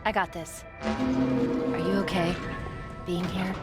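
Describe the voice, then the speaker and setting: Unhurried, earnest AI companion. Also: female voice, lowish voice, steady tone, loud music behind the voice. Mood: sympathetic. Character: female artificial intelligence companion, earnest, thoughtful, caring. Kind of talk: video game cutscene acting.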